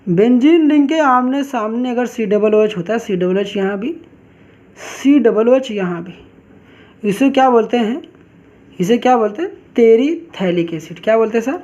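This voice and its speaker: A woman teaching a chemistry class, who keeps asking questions and answering them herself and drags out key terms slowly. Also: a little high, expressive, warm tone. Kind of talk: online class lecture. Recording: dull lo-fi recording.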